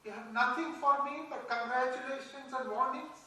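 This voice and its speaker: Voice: high voice, moderate pace, sharp tone. An actor playing a devout, childlike and intense young Indian male mathematician in a theatrical play reading. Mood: impatient. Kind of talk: dramatised stage play reading. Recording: distant mic in very echoey hall.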